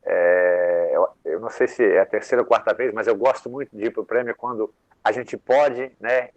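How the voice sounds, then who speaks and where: A songwriter appearing as a guest on a live panel talks loosely about his work in a lowish voice at normal speed. It's casual, conversational interview talk, rambling and packed with fillers. The recording has no echo and its highs are cut off.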